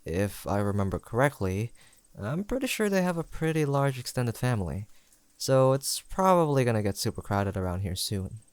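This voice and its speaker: A young man acting an affectionate, teasing best friend in an intimate audio roleplay, chatting in a gentle, playful and sincere way. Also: medium pitch, very animated, moderate pace, smooth, no room sound, natural voice. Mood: amused, chatty. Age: young adult.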